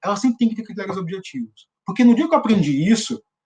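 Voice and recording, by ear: A man speaks very fast in a high voice with a northeastern Brazilian accent. His intonation is lively.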